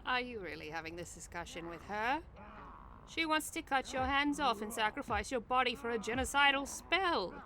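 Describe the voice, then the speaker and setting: A woman's voice: a little high, lively intonation, moderate pace, pushed and bright. A woman playing a defiant, scheming vampire in an audio drama, with a dry, taunting manner. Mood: exasperated. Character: defiant, sardonic female vampire, scheming daughter.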